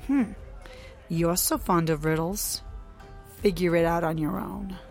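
Trixie, a sharp-tongued, sullen young woman who lashes out at her father, as a woman narrator plays her. Her voice sits a little lower than most women's, with faint music beneath. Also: fairly even intonation, unhurried. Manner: sullen, then sharp and scornful.

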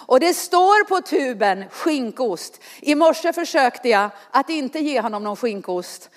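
High-voiced woman preaching a fervent sermon. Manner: passionate, swings between soft and loud with a humorous aside.

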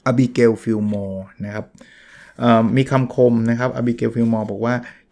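A man in casual talk about books and reading, relaxed and chatty, with fillers and asides. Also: mid-range voice. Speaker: book commentator.

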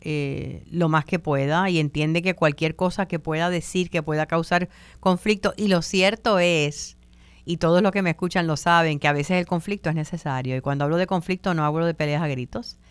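A Puerto Rican woman hosting a talk on communication, relaxed and chatty, with many fillers, sometimes acting out other people's voices. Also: low voice, normal speed, smooth, dry recording. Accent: Puerto Rican Spanish. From Puerto Rico. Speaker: radio host on communication and wellbeing. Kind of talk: conversational talk on communication styles.

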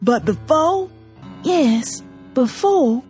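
A woman's voice: sits high, very animated, drawn-out words, darkish tone, soft background music, pitched above the performer's own voice, full character voice. A woman reader voicing a young man who speaks in tense, clipped anguish.

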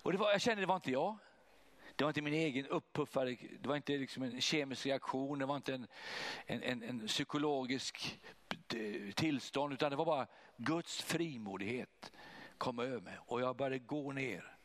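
A man preaching, telling a personal testimony in an animated way and acting out what others said. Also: mid-range voice. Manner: animated, acts out voices of others. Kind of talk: testimony storytelling.

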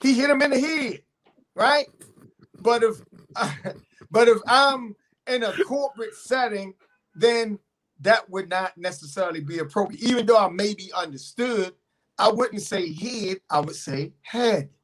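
A man with a Baltimore accent, co-hosting a casual talk show and explaining his points in a measured, repeating way. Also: high voice, a bit bright, a little hiss or hum. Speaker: podcast co-host and radio host. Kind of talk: casual chat.

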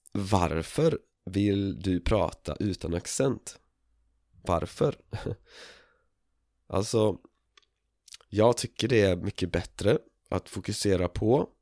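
A man hosting a podcast, talking casually in a relaxed way, often chuckling and using plenty of fillers. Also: deep voice, dry recording, studio quality. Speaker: podcast host. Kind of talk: casual spoken monologue.

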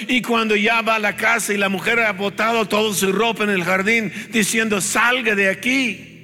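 A man's voice: high voice, little pitch movement, brisk, bright, forceful tone. An older man preaching a sermon as pastor, emphatic and repetitive, in a large church hall. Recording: long hall reverb with faint music.

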